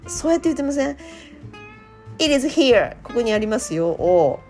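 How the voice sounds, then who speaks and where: A woman talks in a loose, chatty way, full of fillers and short laughs. Her pitch swings widely up and down. Soft guitar music plays faintly underneath. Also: very animated, quick pace. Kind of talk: casual chat.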